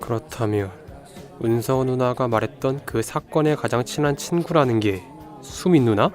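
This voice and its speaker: A man's voice: medium pitch, normal speed, faint music behind, natural voice. A man playing a cool young detective. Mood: curious. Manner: cool, assertive, deductive. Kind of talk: student radio drama.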